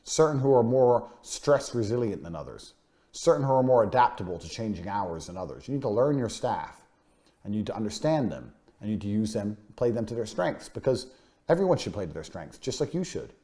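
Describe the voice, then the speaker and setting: A man's voice: on the low side, big pitch swings, fairly quick, mellow. Blunt, boastful man lecturing on sales. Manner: blunt, boastful, swears freely; punchy, emphatic repetition. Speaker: business course speaker. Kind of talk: motivational business lecture.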